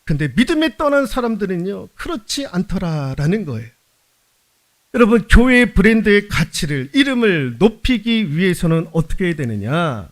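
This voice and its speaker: A male pastor preaching at a Wednesday prayer service. He asks the congregation rhetorical questions with emphasis and drops to a soft, low voice for confessional prayers. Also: big pitch swings, normal speed.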